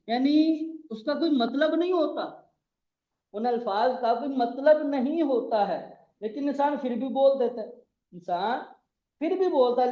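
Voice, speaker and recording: High-voiced man teaching grammar in echoey room. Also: a little mellow. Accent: Pakistani Urdu. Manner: repetitive, spells out words letter by letter. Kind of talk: classroom lecture. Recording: echoey room, dull lo-fi sound.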